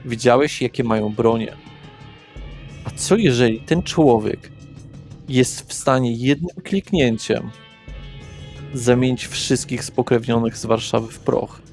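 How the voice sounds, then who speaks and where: A man narrating a tabletop roleplay session as game master, measured and deliberate. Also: mid-range voice, a little mellow. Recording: faint music behind.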